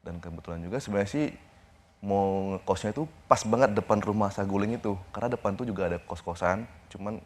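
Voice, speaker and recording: A young man, a guest on a TV interview, recounting events in a halting, informal way. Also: on the low side. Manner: halting, informal, retells conversations step by step.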